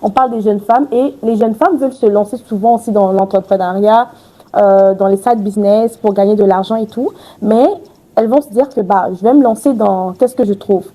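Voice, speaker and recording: A woman's voice: mid-range voice, brisk, mellow, rough recording. A young woman hosting an interview, enthusiastic and affirming, chatty with her guest. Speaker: host. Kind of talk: casual interview talk.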